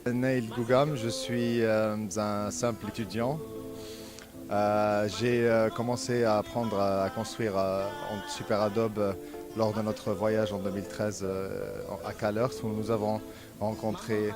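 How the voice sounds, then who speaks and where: A man's voice: lowish voice, flat delivery, measured pace. A man, a student who helps run the workshop, answering an interview earnestly with hesitations. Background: music.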